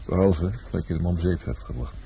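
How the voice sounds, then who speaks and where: An actor in a Dutch radio play playing a world-weary, blunt lover and sailor, terse and fatalistic. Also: male voice, low voice, brisk, mellow. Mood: brooding, curt. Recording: dull, noisy old radio drama recording.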